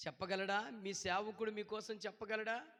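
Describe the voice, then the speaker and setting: A man preaching in a high, piercing voice, throwing questions at his congregation and now and then breaking into a shout. The sound rings with the long echo of a church hall. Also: level tone, moderate pace. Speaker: pastor. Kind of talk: sermon.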